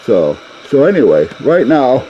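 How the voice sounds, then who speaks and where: A man's voice: medium pitch, very animated, unhurried, dark tone, highs cut off. A man giving a casual hands-on demonstration in a folksy, rambling way, as a hobbyist presenter. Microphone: camera mic about a foot away. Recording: clear background noise, radio sounds.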